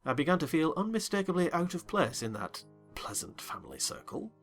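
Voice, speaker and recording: A man narrating a dramatized audiobook reading in an expressive, wry manner. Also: fairly high pitch, brisk, faint music behind.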